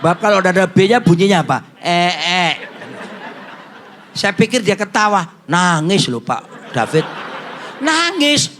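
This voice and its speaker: A middle-aged man preaches in a playful storytelling way. His voice sits high and leaps all over the place as he jokes his way through the sermon. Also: sing-song, a little slow, pauses often, a bit bright, slight background noise. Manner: jokey storyteller, acts out quotes, slips into Javanese phrases. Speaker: pastor. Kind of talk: humorous sermon.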